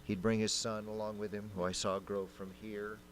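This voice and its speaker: A man's voice: on the low side, level tone, moderate pace, slight background noise. A man, a council member, giving a heartfelt, informal tribute to a veteran at a city council meeting. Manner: warm, informal storytelling.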